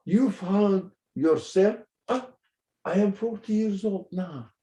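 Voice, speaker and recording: A man explaining a religious text in an animated way, chuckling often and pausing to search for words. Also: high voice, roomy sound. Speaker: religious teacher.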